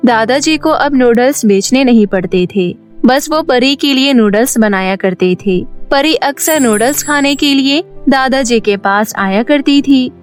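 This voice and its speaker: A woman's voice: high-pitched, measured pace, clean tone, faint music behind. A woman narrating a scripted children's story.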